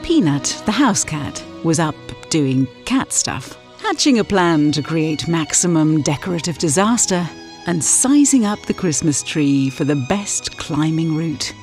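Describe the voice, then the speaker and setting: A woman's voice: low-pitched, expressive, measured pace, a little mellow. A woman with a British accent reading a scripted, tongue-in-cheek story as its narrator. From Yorkshire, England. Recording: faint music under the voice. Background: music.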